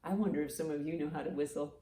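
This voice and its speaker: Low-pitched woman reading to children, noisy recording. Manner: expressive, slow deliberate emphasis for young children. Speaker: library storytime host. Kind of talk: children's storytime, singing rhymes and reading a picture book aloud.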